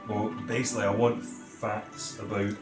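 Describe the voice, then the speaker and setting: Low-voiced man in an echoey room. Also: flat delivery, normal speed. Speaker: tabletop game player. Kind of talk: casual game-table chat. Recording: echoey room, loud music bed.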